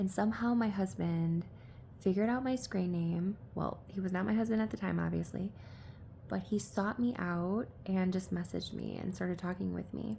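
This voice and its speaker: A soft-spoken woman talks at a moderate pace. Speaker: lifestyle vlogger. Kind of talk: casual storytelling monologue. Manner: hesitant, many fillers.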